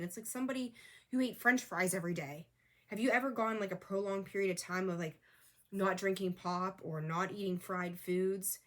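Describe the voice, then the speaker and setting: A woman reading tarot who talks straight to viewers in an earnest, coaching way, repeating her advice, with a voice that is wearing thin. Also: medium pitch. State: losing her voice, clearing her throat. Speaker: tarot reader. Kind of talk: casual spiritual tarot reading.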